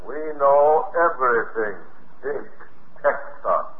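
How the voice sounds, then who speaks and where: Guy doing a bossy menacing martian, real slow n deliberate, big echo, old tinny radio show sound. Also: medium pitch, a little hiss or hum, close to an everyday voice. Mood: superior, menacing. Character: commanding, superior Martian man, menacing alien captor. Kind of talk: 1950s radio drama acting. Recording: echoey, band-limited old radio recording.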